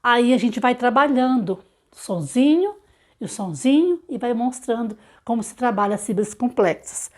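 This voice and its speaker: A middle-aged woman with a fairly high voice teaches parents how reading is learned. She poses questions and answers them herself. She stretches out syllables and example words slowly, one by one. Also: expressive. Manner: explains with rhetorical questions and slow sounded-out syllables. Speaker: literacy teacher. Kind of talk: instructional talk to parents.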